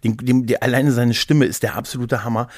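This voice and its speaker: A man's voice: medium pitch, level tone, fairly quick, a little mellow, no room sound, clean studio sound. A man co-hosting a podcast in casual, enthusiastic chat, effusive and often repeating himself as he gropes for words. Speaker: podcast co-host discussing audio dramas.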